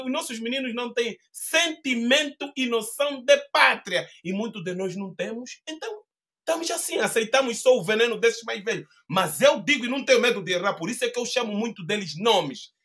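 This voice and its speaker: Against a quiet background, a man speaks at an extremely high pitch and a moderate pace, with lively intonation and a bright, sharp tone. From Angola. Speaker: podcast host. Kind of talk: casual discussion. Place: home room. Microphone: studio mic.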